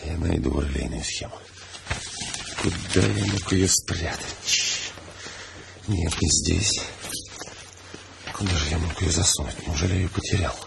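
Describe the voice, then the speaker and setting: An actor playing a bitter, lonely old man in a radio drama, muttering and agitated, with a gravelly, breathy voice. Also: low-pitched, measured pace, long pauses, heavy background noise, full character voice. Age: older. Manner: muttering, agitated, swings from whispers to shouts. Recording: music under the voice.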